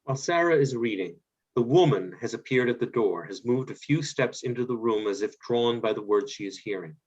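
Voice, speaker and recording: A man narrates stage directions for a play reading. His voice has a middle pitch. The recording is slightly dull, like a video call. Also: a little fast, a little mellow, breathy edge. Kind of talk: scripted narration.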